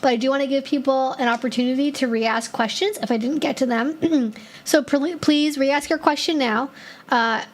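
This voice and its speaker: A woman's voice: high-pitched, steady tone, moderate pace. A woman hosting a casual live-stream Q&A, answering viewer questions in a chatty way, with lots of filler words as she thinks aloud.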